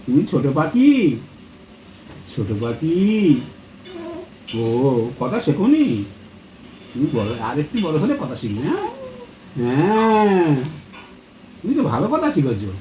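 A woman coaxing a baby in slow, sing-song baby talk, recorded outdoors from a distance. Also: low voice, wildly swooping pitch, mellow, roomy sound, slight background noise. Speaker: family member cooing at a baby.

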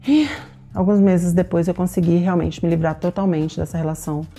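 Middle-aged woman, Brazilian accent, dark gravelly tone, frank first-person testimony. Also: lowish voice, a little fast, faint music behind. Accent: Brazilian Portuguese. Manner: candid, speaks straight to the audience; acts out remembered dialogue as she tells it. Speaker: storyteller sharing a personal testimony. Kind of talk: personal testimony, told to viewers.

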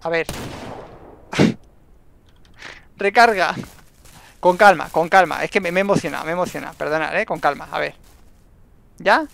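A man giving excitable gameplay commentary and talking to himself as he plays. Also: a little high, moderate pace, creaky, pauses often, slight background noise. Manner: excitable, talks to himself and the game. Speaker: gaming YouTuber.

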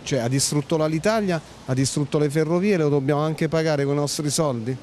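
A man's voice: a little high, fairly quick, a little mellow. A man in his fifties giving an indignant answer in a street interview. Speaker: interviewed passer-by. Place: outdoors by city shopfronts. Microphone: handheld interview microphone. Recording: faint street and traffic noise.

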